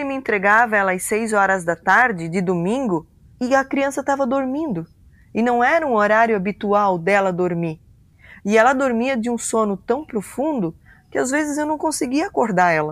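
Heard on a very clean recording with a silent background, a woman with an unremarkable speaking voice talks at a moderate pace in a fairly high pitch, her intonation lively. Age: 30s. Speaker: mother of abuse victim. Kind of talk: testimony.

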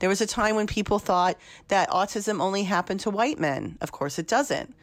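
Recorded very cleanly against a silent background, a woman with an American accent speaks at a moderate pace in a medium pitch with vocal fry. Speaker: science podcast host. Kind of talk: news-style recap monologue.

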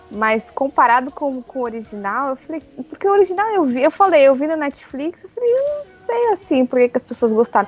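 A woman with a high pitch and very wide pitch swings at a fairly quick pace with hardly any pauses, in a dry, close sound with no echo and music in the background. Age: 30s. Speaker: podcast co-host. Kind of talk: casual chat.

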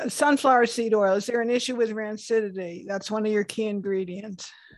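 With a plain, everyday voice, a woman speaks at a fairly high pitch and fairly even intonation. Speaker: podcast host and nutrition author. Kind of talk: interview.

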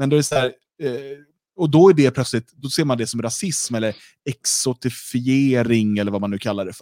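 Loudness swings widely as a man speaks at a fairly quick pace in a dark, mellow tone. His medium pitch has ordinary variation, and the sound is dry and close with no echo. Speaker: web radio show host. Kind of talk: casual chat.

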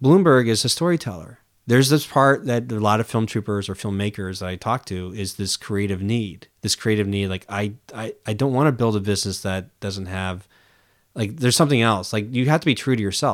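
A man has an unremarkable speaking voice, pitched fairly low. The recording is very clean against a silent background. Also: ordinary pitch variation, fairly quick pace. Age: 40s. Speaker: filmmaker and podcast host. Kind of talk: interview conversation.

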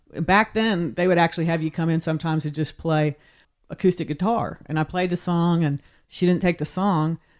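A woman with an unremarkable speaking voice and an American accent, fairly low in pitch with fairly even intonation, at a fairly quick pace, in a very clean recording with a silent background. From Pennsylvania / West Virginia, tri-state area. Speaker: country songwriter and singer. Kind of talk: casual interview. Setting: music room at her home.

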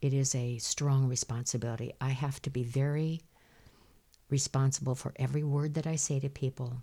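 Speaking at a fairly quick clip, a woman has a very deep, low pitch, a somewhat breathy, dark and mellow tone, and monotone, flat intonation. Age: 60s. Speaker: flea market vendor and psychic. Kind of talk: casual interview.

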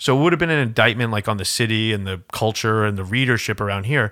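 A man with a New York accent speaks at a medium pitch and a fairly quick pace, his tone bright and sharp with ordinary pitch variation. The recording is very clean, with a silent background. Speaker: journalist and newspaper editor. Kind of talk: interview. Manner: halting, many fillers and restarts.

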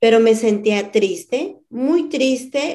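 A woman talks with lively intonation. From P'urhépecha community, Michoacán, Mexico. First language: P'urhépecha (speaking Spanish). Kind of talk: interview, life story.

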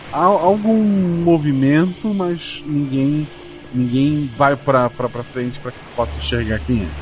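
Over noticeable background noise, a man with a fairly high pitch speaks very slowly. His intonation is lively and his loudness swings widely. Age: 30s. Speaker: game master and podcast host. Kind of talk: tabletop RPG narration.

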